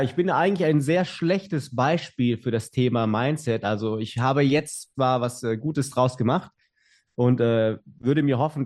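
A man's voice: medium pitch, darkish tone. A young adult man, a podcast guest, telling his story in casual talk with many fillers and restarts.

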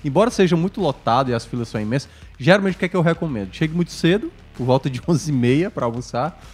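A man's voice: on the high side, lively intonation, fast, breathy edge, soft background music. Man chatting about sport. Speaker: sports commentator on a podcast. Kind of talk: casual sports chat and analysis.

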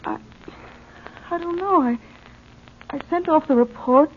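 A woman's voice: high voice, a little slow. An actress playing a bewildered, frightened young woman held captive, faltering through questions in a 1950s radio drama. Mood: bewildered, amazed. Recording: tinny, noisy 1950s radio recording.

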